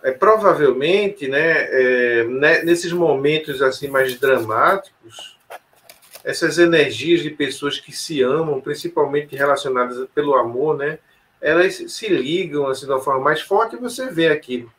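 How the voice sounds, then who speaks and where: A man's voice: on the high side, measured pace, fairly bright tone. A man telling a personal story in an interview, hesitant, with many fillers and restarts. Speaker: interview guest. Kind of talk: casual storytelling conversation.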